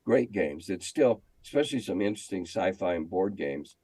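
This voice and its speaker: Deep, dark and expressive with a breathy edge, this older man's voice moves at normal speed with no room sound. As an interview guest who designed games and edited a magazine, he looks back casually, hammering points with emphatic repetition.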